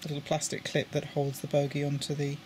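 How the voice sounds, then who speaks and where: A man's voice: on the high side, monotone, fast talker, a little mellow, a little hiss or hum. A British man explaining his model railway coach lighting work in a casual tutorial, often repeating words as he handles the parts. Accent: British English. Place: indoors at a table with a model railway.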